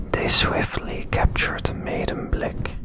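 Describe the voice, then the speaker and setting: A man is whispering. His pace is very slow. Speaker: ASMR creator. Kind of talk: ASMR history narration. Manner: whispered. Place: home room. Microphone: handheld.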